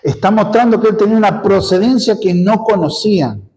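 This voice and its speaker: A high-voiced male pastor delivers an expository sermon at a brisk pace, his tone on the darker side. He has a Rioplatense Argentine Spanish accent and weaves rhetorical questions into his explanation, though the recording is rough.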